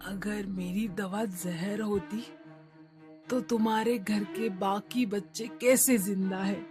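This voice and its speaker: A woman's voice: mid-range voice, fairly even intonation, takes it slowly, natural voice. A woman playing a wronged old village healer and midwife in a horror audio story, solemn, pleading yet firm. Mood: wounded defiant. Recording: loud music behind the voice.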